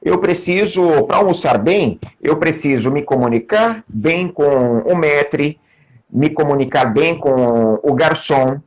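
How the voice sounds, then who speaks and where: A man with a Brazilian Portuguese accent, a guest in a casual interview chat, who explains in a measured way with everyday examples. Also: on the high side, expressive, darkish tone.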